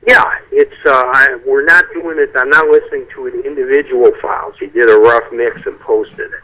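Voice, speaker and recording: A man's voice: medium pitch, fairly even intonation, normal speed, bright, forceful tone. A man on a speakerphone call, chatting casually as an interview guest, rambling a little and restarting his sentences. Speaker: guest songwriter. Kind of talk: phone-in interview chat. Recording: phone line, breaking up.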